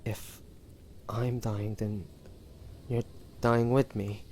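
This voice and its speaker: Man acting a slow, halting wounded young hunter. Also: on the low side, flat delivery, mellow, a little hiss or hum. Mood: exhausted, pained. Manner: halting, breathy, pained delivery. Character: wounded, devoted young male demon hunter, tender and desperate. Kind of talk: dramatic audio roleplay acting.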